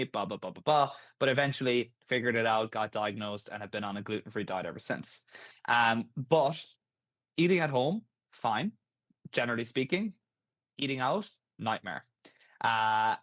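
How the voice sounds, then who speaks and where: A man's voice: mid-range voice, fairly bright tone. Chatty Irish man, podcast guest. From Ireland. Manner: candid, chatty, quick asides. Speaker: guest, app founder. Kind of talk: casual interview conversation.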